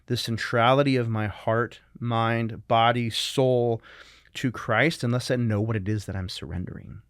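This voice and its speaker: A man's voice: medium pitch, steady tone, moderate pace, clean tone, no echo, studio quality. A man co-hosting a podcast as a recovery coach, talking reflectively in a conversational Christian teaching style.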